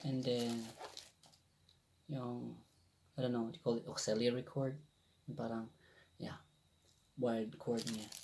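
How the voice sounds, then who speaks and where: Over noticeable background noise, the speaker goes at a fairly slow pace with fairly even intonation and long, frequent pauses. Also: man, medium pitch for a man. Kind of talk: casual product review to camera.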